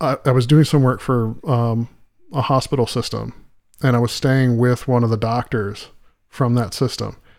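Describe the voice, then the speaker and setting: Recorded very cleanly against a silent background, a man with an American accent talks at a moderate pace and medium pitch. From US South, North Carolina. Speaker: podcast host. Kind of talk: casual interview chat. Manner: animated, enthusiastic.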